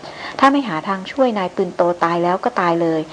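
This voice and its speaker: ผู้หญิงเล่นเป็น พรานป่าหนุ่มหน้าตาย. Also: female voice, fairly quick, slight background noise, close to an everyday voice, low-quality recording. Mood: deadpan. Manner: flat, low-murmured speech. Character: wild young male native tracker, deadpan.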